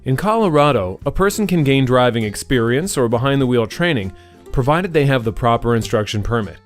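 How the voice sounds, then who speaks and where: A man's voice: mid-range voice, animated, a little fast. A man reading scripted voice-over in a polished, articulate delivery. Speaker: voice-over artist. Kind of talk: scripted voice-over demo reads: commercial, explainer, narration. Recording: music bed behind the voice.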